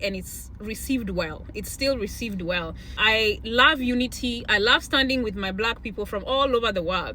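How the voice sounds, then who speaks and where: A woman talks at a moderate pace with hardly any pauses, her fairly high voice bright, sharp and showing vocal fry. Her pitch varies in an ordinary way. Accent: African. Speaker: YouTuber. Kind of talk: casual talk to camera.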